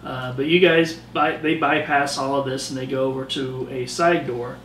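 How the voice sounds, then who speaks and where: A man's voice: medium pitch, steady tone, normal speed, fairly bright tone, slight background noise. A man narrating a tabletop game as game master, describing scenes loosely with lots of fillers, in a roomy, distant recording.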